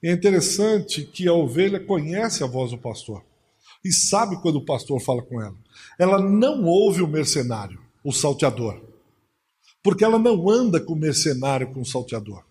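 A man's voice: fairly high pitch, very animated, normal speed, a little mellow, breathy edge. A man preaching a sermon as pastor, telling stories and acting out the voices in them.

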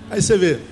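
Middle-aged man, pastor preaching, gravelly and fairly high, long hall reverb, music underneath. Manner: lively, humorous preaching with mimicked voices. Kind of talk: sermon.

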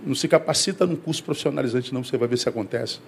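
Talking very fast with vocal fry, a man from Brazil preaches a conversational sermon, calling his congregation brother. He performs quoted voices and builds to high, excited emphasis, and the audio carries a little hiss or hum.

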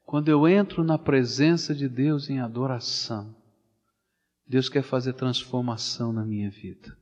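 Brazilian pastor preaching in a reverberant hall. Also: male voice, medium pitch. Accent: Brazilian Portuguese. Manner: dramatic swings between loud animated storytelling and hushed slow pleading. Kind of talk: sermon. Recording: dull sound with long hall reverb.

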